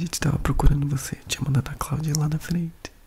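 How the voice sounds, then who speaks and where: Soft-spoken whispering at a fairly quick pace. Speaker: ASMR roleplay examiner. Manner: whispered, soft-spoken. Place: home room. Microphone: studio mic.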